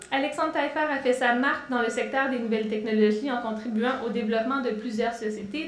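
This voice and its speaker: A high-pitched woman at a moderate pace with ordinary pitch variation, audible room echo and light background noise. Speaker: event presenter. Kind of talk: formal introduction. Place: hall. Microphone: podium.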